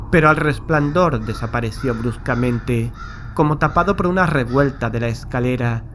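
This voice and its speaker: A man's voice: mid-range voice, natural voice. A haunted man from played by an actor tells his horror tale in a mid-range voice. His delivery is grave, literary and anxious, over a faintly noisy night backdrop. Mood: tense, foreboding. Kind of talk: first-person horror audiobook narration. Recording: faint night ambience behind the voice.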